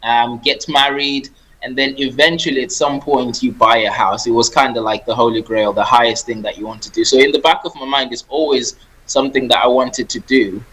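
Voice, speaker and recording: A man's voice: medium pitch, steady tone, brisk, fairly bright tone, slightly rough, low-quality recording. A man from Zimbabwe, a guest on a radio interview, talking about his work in a friendly, easygoing way. He laughs now and then and repeats words as he goes. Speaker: guest, property investor.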